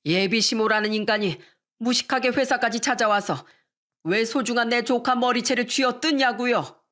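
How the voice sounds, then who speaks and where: A woman's voice: fairly high pitch, normal speed, fairly bright tone, voice pushed up, natural voice. A woman voicing an angry, stern male company CEO defending his niece in a dramatized radio story. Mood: indignant. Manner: firm, indignant formal speech.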